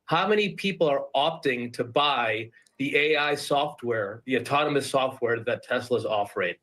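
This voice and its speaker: A man appearing as a guest analyst in a business TV interview, explaining his points in a measured, step-by-step way. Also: medium pitch, fairly bright tone.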